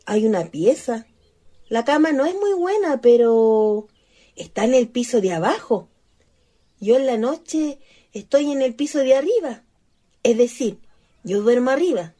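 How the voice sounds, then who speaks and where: A lovelorn Chilean ghost in a radio play. Her voice is fairly high and soft-toned, with a shy, candid, wistful air. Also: animated, measured pace, pauses often. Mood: shy, inviting. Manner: girlish, hesitant, candid. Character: shy, naive, wistful female ghost longing for love.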